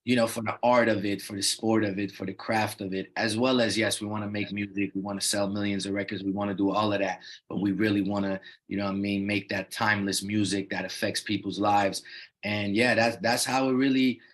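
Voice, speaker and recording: Here a young rapper who grew up in the Netherlands chats easily during an interview, sprinkling in "you know what I mean" again and again. He talks a little fast in a lowish voice that barely moves in pitch.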